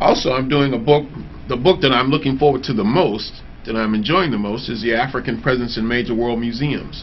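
The man speaks at a fairly quick pace with ordinary pitch variation. Light background noise can be heard. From United States. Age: 60s. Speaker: historian and author; guest. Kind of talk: interview. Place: studio.

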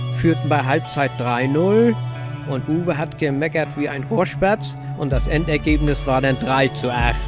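Music plays clearly in the background of this dry, echo-free recording, with a fairly slow pace and fairly even intonation. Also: man, fairly high pitch for a man. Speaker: amateur football goalkeeper coach. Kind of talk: interview answer. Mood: warm, reminiscing. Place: home room. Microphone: handheld.

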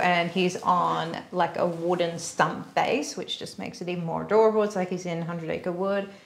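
A woman at medium pitch keeps a moderate pace with hardly any pauses, and audible room echo surrounds her voice. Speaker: co-host presenting collectibles. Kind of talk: casual live-stream product showcase. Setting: studio live stream. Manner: animated. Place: shop.

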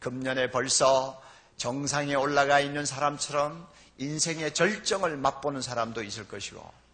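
This man talks at a fairly slow pace in a bright, sharp tone. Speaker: pastor. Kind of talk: sermon. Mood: earnest, reflective. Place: church. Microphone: podium.

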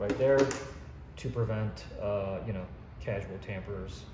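A man with ordinary pitch variation speaks at a moderate pace through loud background noise. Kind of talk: tutorial. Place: home room. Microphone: camera far.

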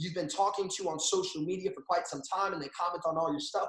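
Loud and animated, a man talks at a very fast pace and high pitch with ordinary pitch variation amid audible room echo. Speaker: network marketing trainer. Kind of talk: motivational training session; high-energy pep talk. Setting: live video call. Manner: loud, rallying, repetitive hype. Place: home room. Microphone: webcam.

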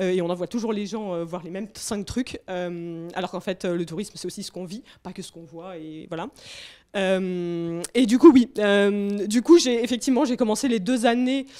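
Against a quiet background, a woman with a dark, mellow tone speaks at a moderate pace, with ordinary pitch variation and big swings in loudness. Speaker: newsletter founder. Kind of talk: onstage interview. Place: hall. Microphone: handheld.

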